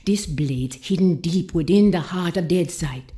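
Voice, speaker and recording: Woman acting a mellow, commanding voodoo priestess. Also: fairly low pitch, natural voice. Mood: portentous, dry. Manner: measured, portentous, dryly stern. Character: mysterious, commanding voodoo priestess mentor, dry and knowing. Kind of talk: video game drama acting.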